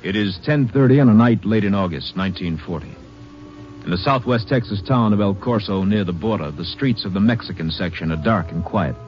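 Male radio narrator, measured and grave, dull vintage recording. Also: on the low side, faint music behind.

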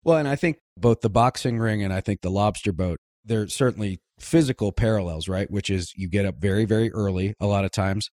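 A man's voice: fairly low pitch, fairly quick, hardly any pauses, darkish tone, no room sound, clean studio sound. A man hosting a podcast, asking chatty, easygoing questions with asides. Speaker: podcast host. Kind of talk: conversational interviewing.

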